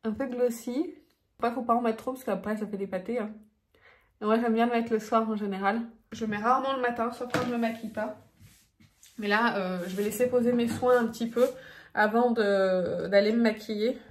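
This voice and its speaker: Woman, chatty beauty vlogger, slightly high voice, echoey room, faint noise behind. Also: fairly even intonation, moderate pace. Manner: chatty, with frequent fillers and little laughs. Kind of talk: casual vlog chat.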